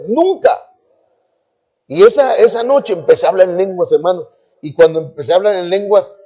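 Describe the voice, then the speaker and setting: Mexican male preacher, mellow higher voice, emotional testimony with hushed prayer and raised quotes. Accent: Mexican Spanish. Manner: emotional, rising to high-pitched quotes and dropping to hushed prayer. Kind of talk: sermon testimony. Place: church.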